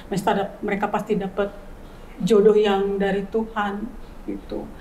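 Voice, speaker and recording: A woman's voice: mid-range voice, level tone, moderate pace, dark tone, a little hiss or hum, rough recording. A woman in her fifties, a grieving mother, giving an earnest faith testimony in an interview and repeating key phrases for emphasis. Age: 50s. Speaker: bereaved mother, guest.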